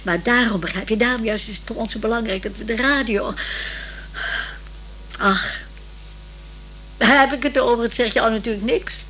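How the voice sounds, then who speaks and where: An actress playing a fussy, excitable elderly lady who loves opera, flustered and chattering in a radio play. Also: fairly high pitch, normal speed, long pauses, close to an everyday voice. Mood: fretful, nostalgic. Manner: flustered, stammering, chattering, insistent. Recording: slightly noisy old radio play recording.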